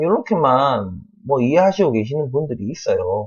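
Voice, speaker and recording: At a moderate pace, a man with a fairly high pitch speaks in a somewhat breathy voice with a dark, mellow tone. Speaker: stock market YouTuber. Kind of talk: unscripted commentary. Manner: raised pitch, animated; rambling, hesitant fillers.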